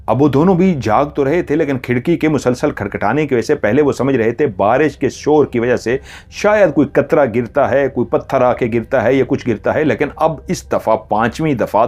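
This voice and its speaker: Man softly narrating a horror tale. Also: medium pitch, normal speed. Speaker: storyteller.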